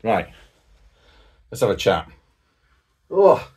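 A male host gives a play-by-play commentary of his own tabletop football game, excitable and jokey with sudden loud outbursts. He is hot and out of breath, speaking slowly in a fairly low voice picked up by a distant mic.

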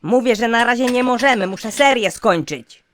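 A woman's voice: a little high, normal speed, fairly bright tone, slight background noise, lightly acted. A woman voicing a cocky little pig in a cartoon, casual and dismissive. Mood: cocky, unbothered. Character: unbothered, cocky gym-going little pig.

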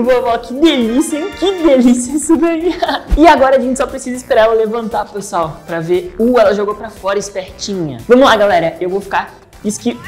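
A playful woman from Brazil chats through a video game for her viewers, her voice sitting on the higher side. She is excitable and giggly and keeps calling out to her audience. Faint music plays behind her. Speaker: gaming YouTuber. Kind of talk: playful let's-play commentary.

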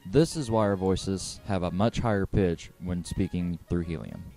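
A man with a low, mellow voice narrates a scripted physics lesson. He explains methodically, one step after another, with music playing behind him. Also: moderate pace.

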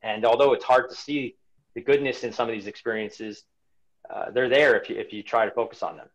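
Man, forties, interview guest on a home video call, reflective, halting, frequent restarts. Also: medium pitch, fairly even intonation, dull audio. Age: 40s. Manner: reflective, many restarts and repeated words. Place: home room indoors. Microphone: webcam on a video call.

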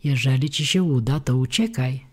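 A woman's voice: very deep voice, normal speed, darkish tone, husky. Pinokio, a frightened wooden puppet boy, read by a woman. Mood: eager. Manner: panicky, pleading.

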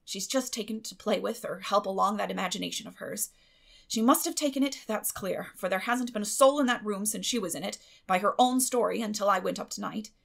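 A woman voicing a stern, suspicious middle-aged farm woman with a sharp, grim way of talking in an audiobook. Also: mid-range voice, brisk, creaky. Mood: troubled. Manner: sharp, grim, clipped scolding.

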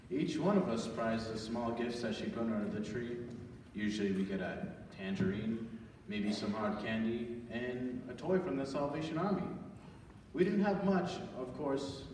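A man's voice: mid-range voice, a little mellow, natural voice. A man playing an older storyteller fondly recalling his childhood in a stage radio play, with a folksy manner. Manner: reminiscing, folksy. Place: large church auditorium, recorded from the audience. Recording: echoey hall from far off, noisy.

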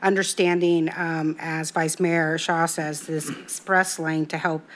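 Halting middle-aged councilwoman at desk mic. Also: low-pitched, level tone. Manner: halting, many ums and restarts. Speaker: city council member. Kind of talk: council meeting remarks. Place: council chamber. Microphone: desk microphone.

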